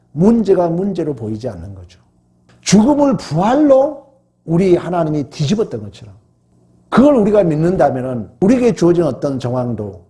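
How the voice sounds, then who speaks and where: A male pastor preaching at a midweek Bible study, emphatic, swinging from raised exclamations to hushed, drawn-out solemn phrases. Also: on the high side.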